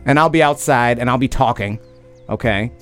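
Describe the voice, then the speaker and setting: A man in his late twenties, talking loudly and emphatically on a podcast and often asking "you know what I mean?". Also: mid-range voice, normal speed, smooth, soft background music. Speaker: podcast host. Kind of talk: casual conversation.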